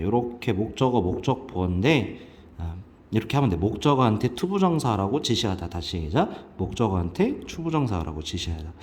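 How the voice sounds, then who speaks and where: Male English teacher walking through a textbook passage, low voice with lively jumps in pitch. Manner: lively, asks students questions and answers himself.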